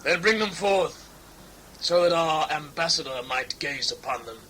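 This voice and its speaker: An actor playing a stern, commanding tribal chief who speaks in solemn, declamatory, archaic language in an audio drama. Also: male voice, fairly high pitch, animated, a little slow, bright, forceful tone, a little hiss or hum, poor audio. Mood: ceremonial.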